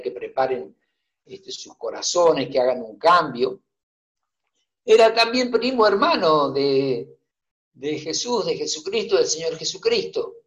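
A man's voice: a little high, rough recording. A man preacher reading scripture aloud and commenting on it, with joking asides and hesitant fillers. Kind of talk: Bible reading with sermon commentary.

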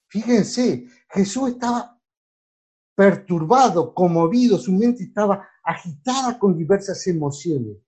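A man preaches a sermon in a high-pitched voice with a darkish tone, reading Bible verses aloud and cutting in with emphatic exclamations. He asks his listeners to read the verses along with him.

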